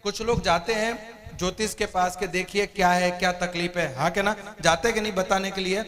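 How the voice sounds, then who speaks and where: A man's voice: high voice, steady tone, normal speed, fairly bright tone. A man giving a seminar talk full of stories and jokes, acting out the dialogue and often asking the audience to agree. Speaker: motivational speaker. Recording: reverberant hall.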